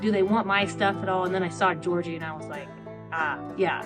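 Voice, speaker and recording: An American woman talks casually as an interviewee, sharing personal memories in everyday speech. Her pitch is a bit low and guitar music is clearly heard behind her. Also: fairly even intonation, fairly quick.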